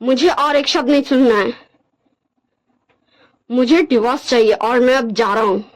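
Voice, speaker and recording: A woman's voice: a little high, normal speed, natural voice. A woman voicing a cold young man who curtly demands a divorce and brushes his partner off. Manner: curt and flat, demanding. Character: cold, dismissive young male alpha husband.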